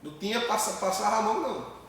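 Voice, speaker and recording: A man preaches to his congregation, his voice pitched high and pressing each point with repetition. He sounds far from the mic, ringing through a long, echoey church hall with a faint hiss underneath. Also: expressive, rapid-fire, fairly bright tone. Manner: emphatic, repeats words, addresses congregation as brothers. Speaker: pastor. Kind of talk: sermon.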